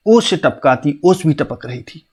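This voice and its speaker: A young man teaching, who recites lines of verse slowly and then explains them in plain everyday speech. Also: fairly high pitch, lively intonation, darkish tone, breathy edge. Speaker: Hindi teacher. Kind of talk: poetry explanation lesson.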